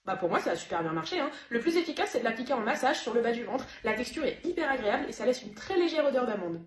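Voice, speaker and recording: A woman as a calm friend pitching a product. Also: very fast, a crowd in the background. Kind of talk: sketch ad. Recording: roomy echo.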